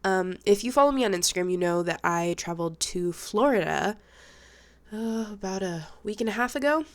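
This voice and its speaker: A woman's voice: medium pitch, expressive, normal speed. Young woman w a cold, stuffy nose, chatty n swears a lot, art vlog rambling. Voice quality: congested, sniffly. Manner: chatty, self-deprecating, swears casually. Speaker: art vlogger. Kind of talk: casual chat.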